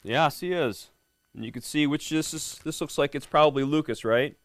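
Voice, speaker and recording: A man's voice: on the high side, moderate pace, dry recording. A middle-aged man, a police lieutenant, reading a picture book to a class of schoolchildren in a friendly way and often quizzing them. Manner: friendly, quizzing the kids, often asks "right?".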